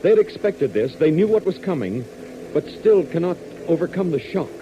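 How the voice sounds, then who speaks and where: A man's voice: a little high, sing-song, moderate pace, noisy background. Dramatic 1940s radio announcer man. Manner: dramatic, emphatic delivery. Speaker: announcer and narrator. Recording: muffled old radio transcription.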